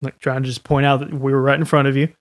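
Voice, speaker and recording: A man's voice: mid-range voice, flat delivery, fast. A man running a tabletop game, narrating off the cuff and thinking aloud as he makes rulings. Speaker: game master.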